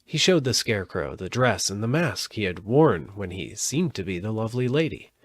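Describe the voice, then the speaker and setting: A man giving an expressive live reading of a storybook as narrator. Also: lowish voice, moderate pace, dry recording. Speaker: audiobook narrator.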